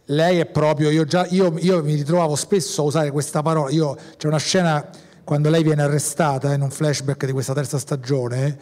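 Male director, rambling panel talk, slightly raised pitch, long hall reverb. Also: flat delivery, normal speed, a little mellow. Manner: rambling, many restarts.

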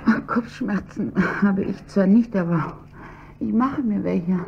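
An actress playing a wealthy wife who speaks slowly, reluctant and cool, in a radio drama. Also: female voice, mid-range voice, creaky. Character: wealthy wife, wary and displeased. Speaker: wife of a businessman. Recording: dull lo-fi recording, faint hiss.

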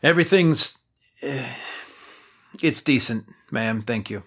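Tense, bright-voiced male investigator played by an actor. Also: mid-range voice, animated, takes it slowly. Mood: guarded, polite. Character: exasperated, earnest male investigator, Adam. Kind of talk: audio drama acting.

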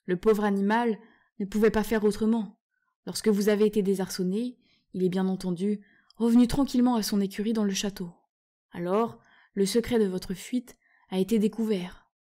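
A woman's voice: medium pitch, mellow, natural voice. A woman voicing an old male scholar, out of breath and earnest, in a storybook reading. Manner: earnest, hurried.

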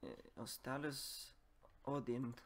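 Very slow, gravelly-voiced male learner. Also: mid-range voice. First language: English. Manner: slow, halting, repeats words. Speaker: language learner. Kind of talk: halting spoken practice.

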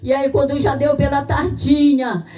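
A woman's voice: high-pitched, flat delivery, moderate pace. A middle-aged woman with a Brazilian Portuguese accent giving a tearful church testimony in a sing-song preaching cadence. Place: church service. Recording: distant mic with faint music.

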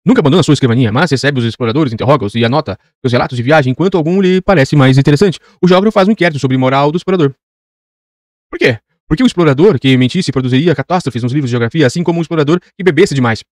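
A man's voice: a little high, rapid-fire, no echo, studio quality, close to an everyday voice. A man voicing a self-important old geographer who lectures pedantically. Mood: lecturing. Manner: lecturing, pompous.

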